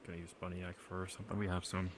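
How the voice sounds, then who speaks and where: A man's voice: deep voice, level tone, very fast, background noise. A man casually roleplaying in an online game, his voice coming from a distance over voice chat.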